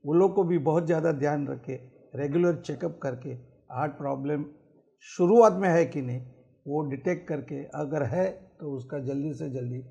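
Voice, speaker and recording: Middle-aged male heart doctor, TV studio guest, gravelly mellow tone, slightly high, switches into English phrases. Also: moderate pace, lo-fi sound. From Mumbai. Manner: mixes English phrases into Hindi, lists symptoms and risks. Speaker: cardiologist guest. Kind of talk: explanatory interview answers. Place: TV studio set.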